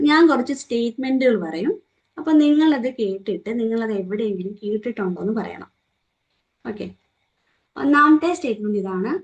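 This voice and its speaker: A young woman leads a morning training session in a Malayali accent, asking the group questions and performing quoted remarks as she talks with them. Her voice sits a little high, and the sound is lo-fi.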